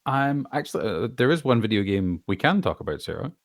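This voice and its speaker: A man's voice: fairly low pitch, very animated, fairly quick, no echo, studio quality. A man, a voice actor, chatting casually as a guest in a podcast interview.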